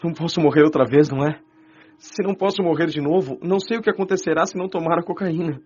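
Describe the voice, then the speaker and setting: An actor with a Brazilian Portuguese accent playing a young man's spirit, a former cocaine addict, telling his story in a low, subdued, confessional way. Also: fast talker, darkish tone, breathy edge. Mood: pleading. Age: young adult. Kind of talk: radio drama first-person account. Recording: dull lo-fi audio with faint music.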